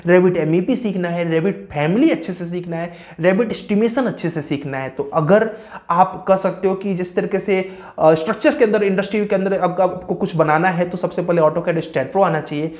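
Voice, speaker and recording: A man's voice: sits high, normal speed, a little mellow. Man giving a chatty career-advice lesson. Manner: explains through lists and checks in with "okay"; mixes English technical terms into his talk. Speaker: civil engineering educator.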